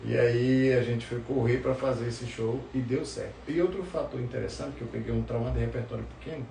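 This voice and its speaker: A man from the forró scene speaks in a casual, anecdotal way with a northeastern Brazilian accent. His voice has a strong creaky grain. The sound is roomy, with faint noise behind him. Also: medium pitch, dark tone. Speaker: podcast guest, forró musician. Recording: roomy, distant mic, faint background noise.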